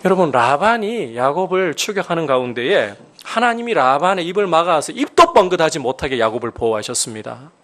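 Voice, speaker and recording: A man's voice: a little high, big pitch swings, brisk, few pauses, fairly bright tone. A male pastor preaching a sermon, explaining scripture and building to emphatic, raised peaks.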